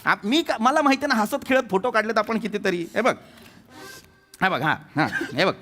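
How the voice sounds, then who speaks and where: A flustered young husband in a stage comedy sketch, pleading over and over and tripping on his words. His voice sits high and swings widely, with music playing clearly behind. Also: expressive, moderate pace. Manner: pleading, stammering, repeats himself.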